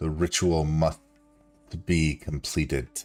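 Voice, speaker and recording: In a put-on character voice, a man speaks very deep and low, monotone and flat, at a fairly slow pace, with faint music in the background. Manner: menacing, hissing.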